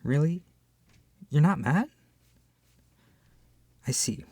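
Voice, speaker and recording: Expressive, husky voice of a flustered book-clubber. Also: medium pitch, extremely slow, dry recording. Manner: expressive, hesitant, with sighs and whispered asides. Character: flustered, opinionated book club member, embarrassed but fair-minded. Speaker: ASMR roleplay voice actor. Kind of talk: scripted audio roleplay, acted as one side of a conversation addressed to the listener.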